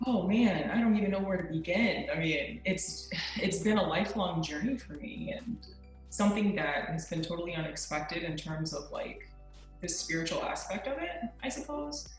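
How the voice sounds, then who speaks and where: Low-voiced young woman in an echoey room. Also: expressive, moderate pace, soft background music. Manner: open, earnest, lots of likes and ums. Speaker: guest. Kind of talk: casual interview talk. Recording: very echoey remote audio.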